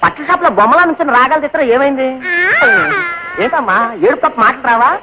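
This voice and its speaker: An actor playing a chatty village police constable who banters and teases in a rustic dialect, on an old film soundtrack. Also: male voice, very high voice, fast, highs cut off, heavy background noise. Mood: teasing. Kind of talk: comic film acting.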